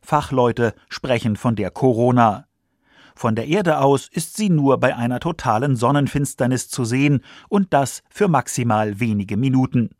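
A man's voice: mid-range voice, moderate pace, a little mellow, no room sound, clean studio sound. A man reading scripted science documentary narration for a radio feature.

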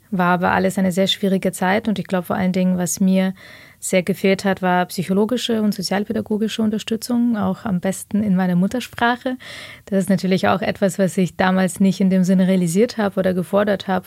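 A woman's voice: medium pitch, gravelly, darkish tone, no room sound, studio quality. A woman in her thirties, originally from Ukraine, thoughtfully telling her life story as a guest in an interview. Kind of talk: reflective personal interview.

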